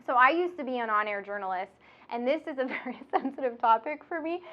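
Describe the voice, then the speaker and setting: A woman's voice: high-pitched, expressive, fast, lo-fi sound. A woman with a nasal voice, hosting and teaching in a bubbly, chatty way. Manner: bubbly, chatty, laughs often. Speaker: instructor and podcast host. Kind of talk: casual instructional chat.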